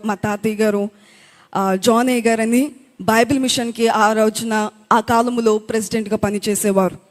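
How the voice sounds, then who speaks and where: A woman earnestly telling her testimony at a church youth event. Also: fairly high pitch. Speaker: speaker giving testimony. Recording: long hall reverb.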